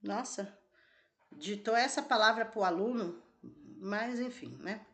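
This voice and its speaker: Speaking at a measured pace in a medium-pitched, fairly bright voice, a woman teacher breaks down an exam question step by step. She checks in with the class by posing questions as she goes in this exam-prep walkthrough.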